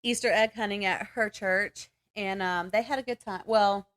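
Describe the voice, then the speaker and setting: A woman co-hosting a podcast, chatting casually with a friend in a playful, teasing way and quick to laugh. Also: medium pitch, fairly even intonation, fairly bright tone. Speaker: podcast co-host. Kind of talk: casual chat between friends.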